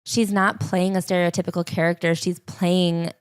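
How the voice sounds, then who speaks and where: A young woman co-hosting a podcast, sharing relaxed, opinionated takes on a memoir. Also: lowish voice, normal speed, clean tone, no echo. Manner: relaxed and opinionated, with frequent "like" asides. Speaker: podcast co-host. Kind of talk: casual book-club chat.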